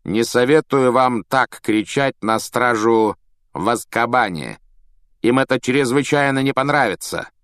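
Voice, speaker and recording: A man's voice: mid-range voice, animated, normal speed, fairly bright tone, no room sound, studio quality, voice pushed up, lightly acted. A man voicing a haughty, contemptuous aristocratic man with a sneering, theatrical drawl.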